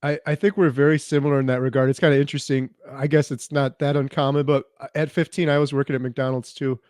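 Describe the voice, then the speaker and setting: A man's voice: mid-range voice, little pitch movement, fast, a little mellow, no room sound, studio quality. A man hosting a casual interview, asking easygoing, rambling questions that build on his guest's answers. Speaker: interview host.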